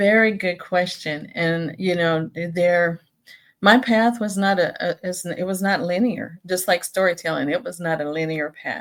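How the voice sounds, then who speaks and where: In an American accent, a woman with an unremarkable speaking voice talks at a fairly slow pace. Her fairly low pitch shows ordinary variation on a very clean recording with a silent background. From Texas. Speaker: anthropologist and folklorist. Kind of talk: interview.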